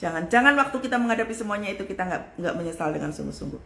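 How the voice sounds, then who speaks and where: A woman pastor giving an earnest, emphatic sermon, calling her listeners "saudara" and swinging between loud exclamations and soft whispers. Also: mid-range voice, lively intonation, racing, vocal fry. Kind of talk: live-streamed sermon. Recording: echoey room with faint ambient noise.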